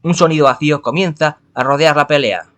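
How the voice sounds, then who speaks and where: A man's voice: fairly high pitch, a little fast, a bit bright, soft background music. A man with a Spanish accent from Spain, reading a visual novel aloud and stumbling, often correcting himself and adding asides. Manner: stumbling, frequent self-corrections.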